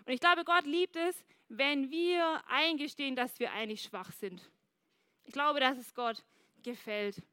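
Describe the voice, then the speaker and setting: A woman preaches a sermon at a church service, her voice high and bright. She talks lively and straight to her listeners, and the sound is dry and close with little room. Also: unhurried, no echo. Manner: lively, addresses the congregation directly.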